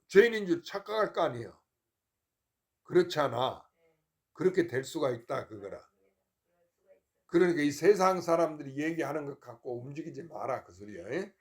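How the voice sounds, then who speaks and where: An older man, a Buddhist monk, giving a folksy, informal Dharma talk to his temple congregation and often asking whether they follow him. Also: fairly high pitch.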